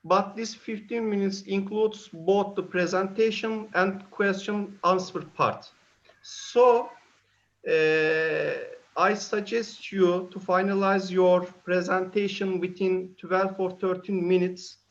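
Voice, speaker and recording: A man with a Turkish accent moderates an academic session over an online call. His voice sits quite high and he speaks slowly, in formal, halting English. The sound is dull and lo-fi. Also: fairly even intonation. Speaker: session chair; academic, head of transportation engineering division. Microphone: online video call.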